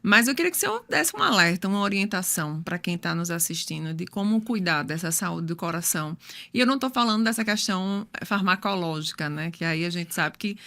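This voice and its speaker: A woman's voice: on the low side, lively intonation, a little fast, vocal fry, bright, forceful tone. A woman, hosting a podcast interview. She puts long, winding questions to her guest. She often ends phrases with a short tag asking for agreement. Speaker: podcast host.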